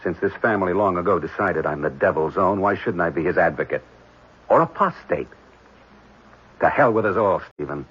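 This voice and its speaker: An actor playing a bitter, sardonic black-sheep brother, mocking and theatrical, in an old radio drama. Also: male voice, low voice, lively intonation, moderate pace, husky. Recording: noisy, dull vintage radio recording.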